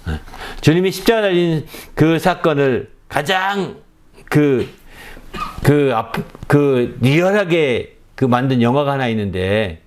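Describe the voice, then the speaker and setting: Male pastor, middle-aged, sermon, animated swooping pitch, chatty preaching with frequent checks to the congregation. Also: slow, a little hiss or hum.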